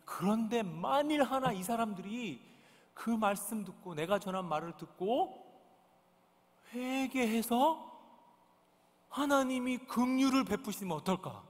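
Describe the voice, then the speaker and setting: A resentful male prophet, voiced by a preacher, muses grudgingly, dragging out his words as if he half hopes the worst. The voice sits high and is wrapped in a long church reverb. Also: lively intonation, a little slow, long pauses, full character voice.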